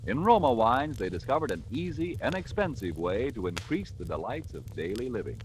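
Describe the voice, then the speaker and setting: A man reading a scripted 1940s radio advertisement in a smooth, persuasive announcer delivery. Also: medium pitch, sing-song, brisk, slight background noise. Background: music.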